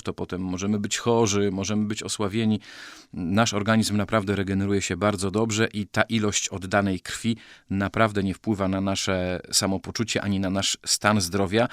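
Low-voiced man speaking in a dry room. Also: dry recording. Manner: measured, with hesitant fillers. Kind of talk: interview.

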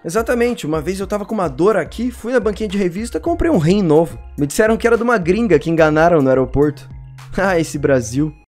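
Young man from Brazil, high-pitched, crude and sarcastic reaction host, close-miked. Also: lively intonation, fast talker, darkish tone, soft background music. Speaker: YouTuber reacting to clips. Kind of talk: casual reaction commentary. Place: small room at home. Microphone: boom mic close to mouth.

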